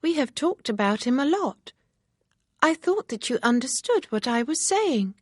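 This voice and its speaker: An excitable young woman, put on by a female storyteller, her voice lifted noticeably higher and bubbling with breathless, eager exclamations. The storybook recording is dry and close, with no room around it. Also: a little slow, no room sound, full character voice. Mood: cheerful.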